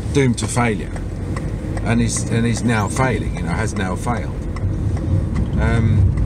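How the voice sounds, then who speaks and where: Over loud background noise, a man talks at a fairly slow pace. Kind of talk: casual vlog commentary. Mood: critical, somewhat rueful. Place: car. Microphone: phone near.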